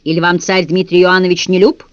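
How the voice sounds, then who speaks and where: A man's voice: sits high, level tone, a little fast, no echo, natural voice. A man voicing a bold sixth-grade boy who pleads with his guards in a storybook reading, over a dull, dry recording. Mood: insistent.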